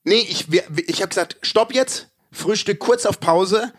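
A man co-hosting a podcast, casually telling an anecdote in a crude, animated, self-mocking way. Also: sits high, moderate pace, no room sound, studio quality. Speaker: podcast co-host.

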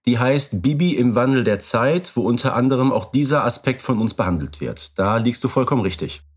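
A man's voice: mid-range voice, expressive, fairly quick, breathy edge. A man co-hosting a podcast, talking conversationally with precise, slightly formal turns of phrase. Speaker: podcast co-host.

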